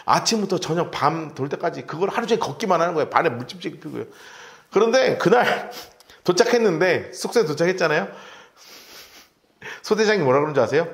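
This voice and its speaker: Animated man preaching a Bible-study sermon. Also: sits high. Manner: animated storytelling with shouted acted-out cries; tells listeners to mark verses in their Bibles. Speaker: pastor. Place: church sanctuary.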